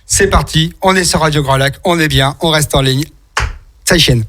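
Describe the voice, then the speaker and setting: Male French radio host, slightly high-pitched, wordy and conversational, loops back over his words. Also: moderate pace, a bit bright. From France. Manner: wordy, rambling, repeats words. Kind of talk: chatty local radio interview.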